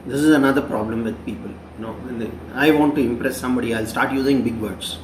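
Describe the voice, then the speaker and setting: A man's voice: mid-range voice, fast talker, slight background noise. A man in his fifties with an Indian English accent, giving a classroom lecture on journalism, explaining patiently and repeating key phrases. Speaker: journalism professor. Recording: roomy echo, voice from a distance.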